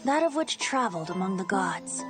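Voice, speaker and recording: A woman's voice: mid-range voice, sing-song, brisk, lightly acted. A woman voicing a carefree, teasing boyish young male bard in a video game, speaking lyrically and theatrically. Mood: storytelling, wistful. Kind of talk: video game character acting. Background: loud game music.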